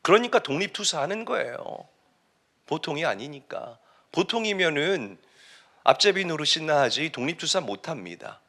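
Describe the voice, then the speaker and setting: A male pastor delivers an emphatic sermon, telling the story vividly and asking rhetorical questions. His voice sits high for a man and is bright and forceful. His pitch swings widely from phrase to phrase. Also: big pitch swings, moderate pace.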